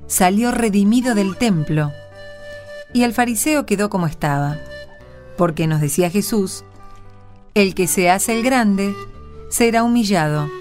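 A woman's voice: mid-range voice, expressive, a little slow, long pauses, darkish tone. A woman hosting and narrating a radio drama in a conversational presenting style. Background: music.

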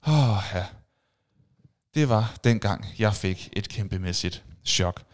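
Animated Danish-speaking man telling stories. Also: fairly low pitch. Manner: animated, acts out screams and sound effects. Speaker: podcast host. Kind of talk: casual storytelling chat.

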